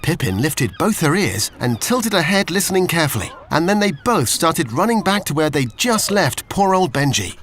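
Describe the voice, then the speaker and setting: A man's voice: on the high side, sing-song, normal speed, few pauses, a bit bright, slight background noise. A man with a British accent reading a scripted children's story, expressively, as a storyteller to young children.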